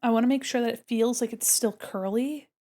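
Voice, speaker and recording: A woman's voice: fairly high pitch, a little fast, warm tone. Congested woman chatting while she draws. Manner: chatty, answers chat questions, murmurs to herself while working. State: congested from a cold. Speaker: art streamer. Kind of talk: casual chat with viewers while drawing.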